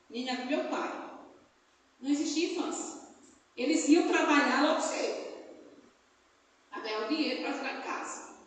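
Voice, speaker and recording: A Brazilian woman delivers a fervent sermon with a high voice. She keeps checking in with the congregation through little tag questions and bursts of praise. Her voice reaches the mic from a distance, filling a big echoing church hall with a long reverb tail. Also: slight background noise. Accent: Brazilian Portuguese. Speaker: missionary preacher. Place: church hall during a family service.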